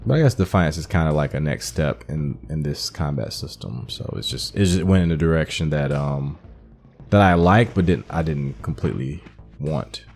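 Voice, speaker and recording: A man's voice: rumbling low, moderate pace, creaky, a little mellow, faint music behind. A man giving casual, musing, conversational commentary as he plays a video game. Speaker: gaming YouTuber.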